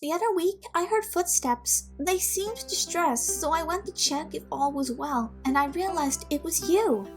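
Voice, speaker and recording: A gentle young servant woman, acted by a woman with a distinctly high voice, speaking over clear background music. She is careful, earnest and reassuring, in the style of an audio drama. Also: expressive, normal speed, few pauses. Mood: careful, tender. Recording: music under the voice.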